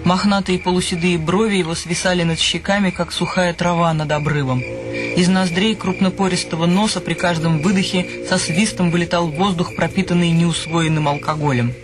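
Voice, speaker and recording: High-pitched male radio drama narrator. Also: steady tone, moderate pace. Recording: music behind the voice.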